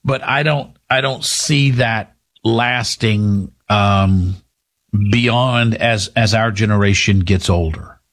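A man in his fifties hosting a talk show, speaking in a measured, reflective way with frequent restarts. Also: fairly low pitch, fairly bright tone. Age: 50s. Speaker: host.

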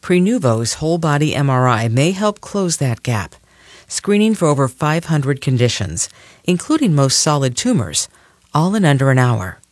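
A man reading a scripted health ad in a smooth, upbeat way. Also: on the high side, very animated, moderate pace, no echo, studio quality. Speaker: ad announcer. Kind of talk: scripted radio ad read.

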